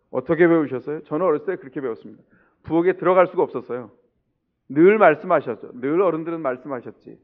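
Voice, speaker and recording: A middle-aged man preaching a sermon as pastor, putting rhetorical questions to the congregation and acting out the people in his stories. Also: on the high side. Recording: tinny, narrow-band lo-fi sound.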